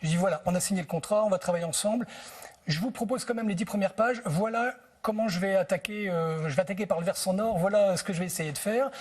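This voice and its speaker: Speaking fast in a high, slightly mellow voice, a book translator recounts anecdotes as a guest on a TV interview. He comes across as thoughtful and occasionally searches for words.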